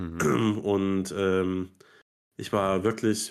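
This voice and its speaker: Recorded very cleanly against a silent background, a man talks with a fairly low pitch. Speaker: football podcast host. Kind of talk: casual chat.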